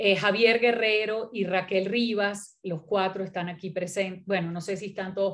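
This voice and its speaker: A woman with an Italian accent speaks at a fairly slow pace. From Venezuela, Italian immigrant family. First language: Italian (speaking Spanish). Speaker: poet. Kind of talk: literary panel talk. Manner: halting, many fillers.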